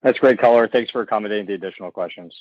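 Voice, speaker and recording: A man's voice: fairly low pitch, very fast, no echo. A man speaking as a financial analyst, politely and formally putting a prepared question on a conference call. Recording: dull, dry conference-call line.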